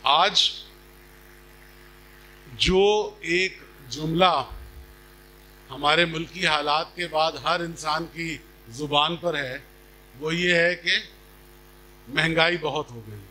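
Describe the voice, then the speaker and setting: A middle-aged man preaching a sermon in a measured, deliberate manner, speaking into a podium microphone. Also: fairly high pitch, fairly even intonation, sharp tone, rough recording. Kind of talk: sermon with scripture reading. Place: stage at a church gathering. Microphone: podium microphone on a stand.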